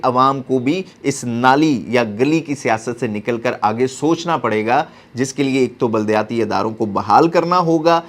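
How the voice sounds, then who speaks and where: A man with a Pakistani accent giving earnest, explanatory political commentary, mixing in some English terms. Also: mid-range voice.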